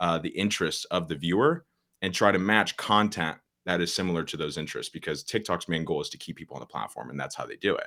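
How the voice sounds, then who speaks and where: In a very clean recording with a silent background, a man speaks very fast in a very deep, low voice with a bright, sharp tone. His pitch variation is ordinary, but his loudness swings widely. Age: 19. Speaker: content creator and social media agency founder. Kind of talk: podcast interview. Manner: fast, with many repeated words and fillers.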